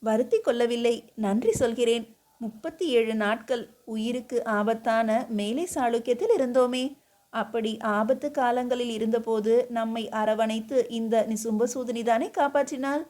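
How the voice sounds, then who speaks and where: A woman's voice: a little high, unhurried, a little mellow, close to an everyday voice. A woman voicing a humble, devoted queen who speaks earnestly and pleadingly, in an audiobook reading. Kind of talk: audiobook character voice.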